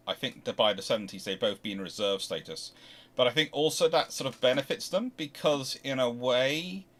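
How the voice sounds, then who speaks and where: A man in an unscripted expert discussion of history, speaking haltingly, often restarting and repeating his phrases. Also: medium pitch, fairly bright tone. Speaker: naval history discussion panellist.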